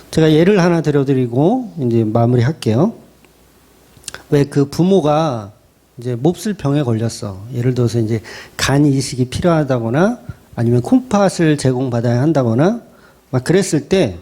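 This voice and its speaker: A man's voice: fairly high pitch, mellow. A middle-aged man, a pastor preaching a sermon in a conversational style, acting out quoted voices.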